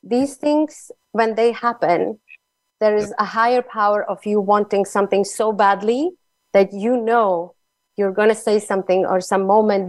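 A woman's voice: mid-range voice, no room sound. A woman with a Slovak accent, a guest author telling personal stories in a conversational interview.

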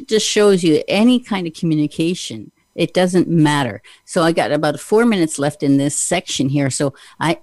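A middle-aged Canadian woman hosts a relaxed interview. Her voice sits low and is recorded close and dry. She talks in a chatty, teasing way and laughs easily. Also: no echo. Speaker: podcast host. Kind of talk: casual interview chat.

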